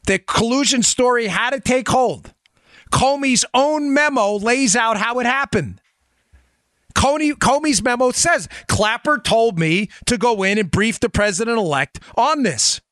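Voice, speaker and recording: A man's voice: very high-pitched, lively intonation, measured pace, fairly bright tone, no echo, studio quality. A man hosting a political talk show in an emphatic, insistent monologue, firing rhetorical questions at his listeners.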